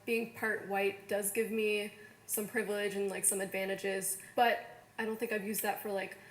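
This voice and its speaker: A woman's voice: medium pitch, flat delivery, normal speed, roomy sound, low-quality recording. A young woman in a casual panel discussion, hedging her words and filling them with "like". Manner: hedging, lots of "like". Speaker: panel guest.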